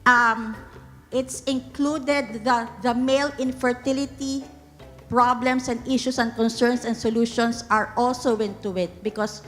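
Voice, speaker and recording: A woman's voice: fairly high pitch, fairly even intonation, measured pace. A woman in the audience asking a long, rambling question at a conference. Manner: rambling, searching for words. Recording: echoey hall with faint music.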